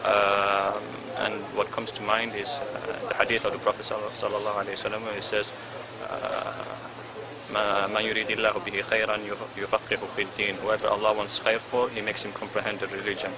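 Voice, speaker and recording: Low, flat-voiced young man. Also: fairly quick, over a noisy crowd, low-quality recording. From Somalia, raised in Sweden. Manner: hesitant, many "uh" fillers. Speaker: student at the university. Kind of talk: recorded testimonial. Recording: outdoor traffic noise.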